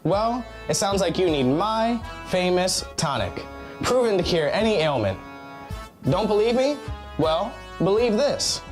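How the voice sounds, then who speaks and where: Brief: man as slow, sing-song quack pitchman, guitar behind. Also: big pitch swings. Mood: salesy. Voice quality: salesy, pitchman. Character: slick quack doctor selling tonic. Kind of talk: parody commercial.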